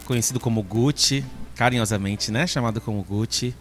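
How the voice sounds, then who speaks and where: A man, talking earnestly as a podcast guest and often filling with "né". His voice sits at a middle pitch. Faint music plays behind him. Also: a little fast. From Salvador, Brazil. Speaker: guest, alumni association president. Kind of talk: podcast interview.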